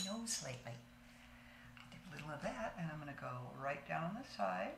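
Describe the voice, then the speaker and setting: Noticeable background noise surrounds a woman whose fairly low voice shows big swings in loudness. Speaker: makeup tutorial host. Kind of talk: casual tutorial chat. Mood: chatty, playful. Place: home room.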